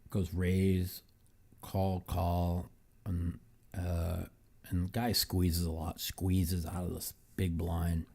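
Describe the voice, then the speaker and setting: A man's voice: sits low, vocal fry, dark tone. A man hosting a casual podcast monologue, rambling with many fillers and repeated words. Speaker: podcast host. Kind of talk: casual monologue on football and poker.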